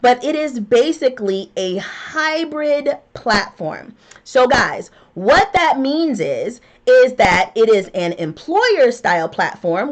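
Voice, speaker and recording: A woman who is a notary and YouTuber, explaining a new platform to her viewers in an upbeat, emphatic way and calling them guys. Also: fairly high pitch. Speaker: notary signing agent and YouTuber. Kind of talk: enthusiastic explainer vlog.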